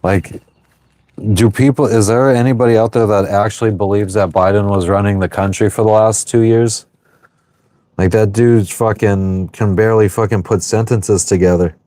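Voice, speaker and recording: A man in his thirties talks loosely to his livestream viewers from a sailboat at anchor, reading their comments and swearing as he goes. His voice sits a little low, and the sound is dry and close with no room around it. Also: steady tone, moderate pace, warm tone, no echo. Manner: swears freely, chatty and offhand. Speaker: livestream host. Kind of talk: casual live chat reading viewer comments.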